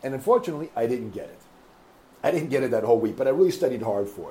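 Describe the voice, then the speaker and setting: A man does the talking. There is some breathiness in his voice. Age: 40s. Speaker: success coach. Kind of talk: motivational monologue podcast. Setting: on a cruise ship terrace. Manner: fast talker.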